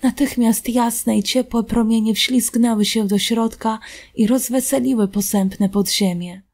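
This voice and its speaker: A woman reads a fairy tale aloud in a calm, gentle, evenly paced voice. Her voice sits somewhat high. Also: a little slow. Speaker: storybook reader.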